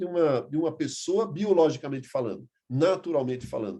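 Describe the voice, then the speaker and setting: Very wide pitch swings run through this man's dark, mellow voice at a moderate pace. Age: 60s. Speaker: pastor and book author. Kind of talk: teaching commentary on his book. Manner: halting, frequent repetitions.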